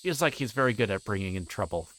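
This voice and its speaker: Low-voiced man reading a visual novel aloud. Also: expressive, quick pace, fairly bright tone, a little hiss or hum, rough recording. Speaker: streamer.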